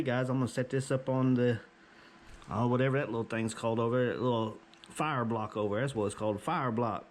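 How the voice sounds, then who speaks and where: A man's voice: mid-range voice, slight background noise. A man, chatting to viewers in a folksy way while he works at his jewelry bench. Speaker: jewelry maker. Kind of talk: casual workshop narration.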